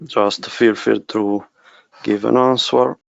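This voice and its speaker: A man with an Italian accent presenting a software webinar, speaking haltingly with many pauses. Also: fairly low pitch, fairly even intonation, creaky, no echo, highs cut off. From Italy. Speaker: technical specialist presenter.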